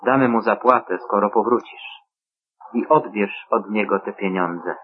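A man reading the part of a devout old blind father in a measured, solemn scripture reading, on a tinny phone-like line. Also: lowish voice, slight background noise, natural voice. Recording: tinny phone-like radio sound.

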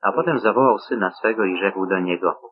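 A man giving a measured, solemn scripture reading, heard over a tinny phone-like line. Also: on the low side, a little hiss or hum. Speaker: scripture reader. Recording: tinny phone-like radio sound.

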